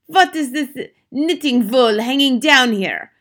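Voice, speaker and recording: A woman reader plays a menacing witch queen in a storybook. Her voice jumps high and loud, and she snaps out haughty orders and questions as if everyone is beneath her. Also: very animated, moderate pace. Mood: angry, suspicious. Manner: haughty, barking commands and questions. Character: imperious, snappish, menacing female Grand High Witch.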